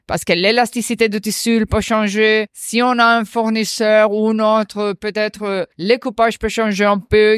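A woman's voice: medium pitch, clear, resonant tone, no room sound, clean studio sound. A woman with a foreign accent in French, explaining her work in an interview and often searching for words as a non-native speaker. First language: not French. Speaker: company representative being interviewed.

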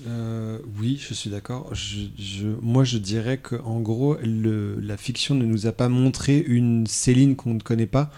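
A man with a dark, mellow voice at an ordinary pitch. He speaks slowly and haltingly on a podcast panel and leans on lots of fillers. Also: fairly even intonation. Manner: hesitant, halting, many fillers. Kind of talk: casual podcast chat.

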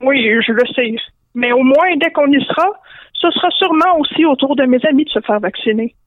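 Stern wise wizard, measured, high voice, as a woman plays him; phone sound. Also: dry recording, lightly acted. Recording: dry narrow phone-line sound.

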